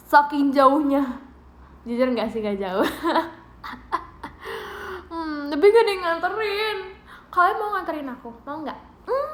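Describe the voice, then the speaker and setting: A woman's voice: sits high, sharp tone. A young woman, chatting playfully and giggling on a live stream from a room at home, speaking into a phone mic. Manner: playful, giggly, thanks viewers. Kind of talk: casual live-stream chat. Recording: roomy echo of a small room.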